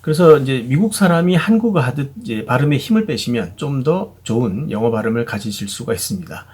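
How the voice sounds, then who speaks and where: Male language tutor, husky, patient and chatty, mid-pitched. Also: lively intonation, a little fast, darkish tone. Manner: patient, chatty, frequent fillers and "그죠?" check-ins. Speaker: English pronunciation teacher. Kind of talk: explanatory video lesson.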